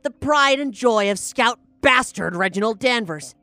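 A woman's voice: a little high, lively intonation, measured pace, pushed and bright, dry recording, soft background music, exaggerated voice. A woman playing a menacing fourteen-year-old boy bully in a tabletop audio drama, swaggering and taunting with mock sweetness.

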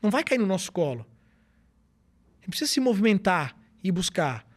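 A man with a high voice talks quickly and earnestly as a podcast guest. He explains his points step by step, in the way of a motivational speaker. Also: very animated. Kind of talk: podcast interview, casual conversation.

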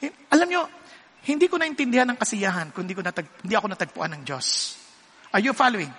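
Man, pastor, sermon, code-switching, keeps asking if people follow, very high pitch, long hall reverb. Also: big pitch swings, fast talker, sharp tone, breathy edge. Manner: switches between Tagalog and English, asks the congregation questions.

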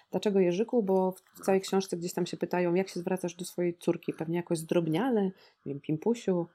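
A woman in her thirties talks about a novel on a podcast, her fairly low voice warm and delivered at normal speed. She's ironic and reflective, hesitating often and posing rhetorical questions to listeners.

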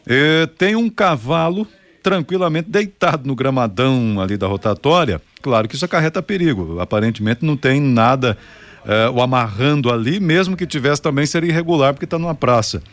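A man's voice: mid-range voice, lively intonation, fairly quick, no echo. A man, relaying listener messages conversationally as a radio news co-presenter. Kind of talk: conversational listener-report segment.

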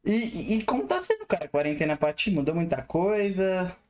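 A man's voice: high-pitched, big pitch swings, a little fast, darkish tone. A man with a Brazilian Portuguese accent hosting a casual, slangy chat. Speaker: host of a drawing chat show.

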